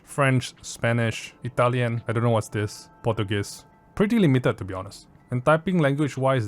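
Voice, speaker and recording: A man with a Southeast Asian accent giving a casual product review in a blunt, informal, mildly sweary way. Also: medium pitch. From Southeast Asia. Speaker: audio gear reviewer.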